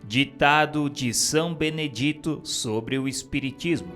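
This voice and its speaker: A man reads in a slow, unhurried cadence, his voice sitting a touch higher than most men's. His delivery is solemn and deliberate, each phrase weighed, with soft instrumental music far in the background. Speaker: reader of a spiritist book. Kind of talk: scripted solemn reading.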